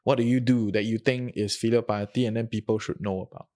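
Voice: medium pitch, steady tone, quick pace, a little mellow. A host with a Singaporean accent, interviewing in a casual, slangy way.

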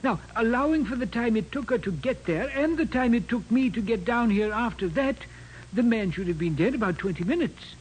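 A male ship's doctor in an old radio drama, high-voiced, measured and a little hesitant. He speaks precisely and deferentially over faint recording noise. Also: expressive, rough recording. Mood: thoughtful, puzzled. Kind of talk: 1940s radio acting.

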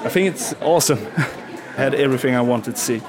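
A man's voice: medium pitch, a little fast. A man with a Swedish accent, a museum visitor speaking English as a second language, hesitating often with fillers as he talks about history. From Sweden. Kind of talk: casual interview answers. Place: busy museum gallery indoors. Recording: busy museum crowd behind.

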